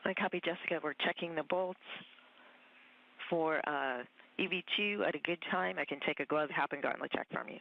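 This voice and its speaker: A man's voice: a little high, fairly quick, creaky. A man at mission control making methodical radio calls over a space-to-ground radio loop, reading back checks. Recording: dull radio loop audio.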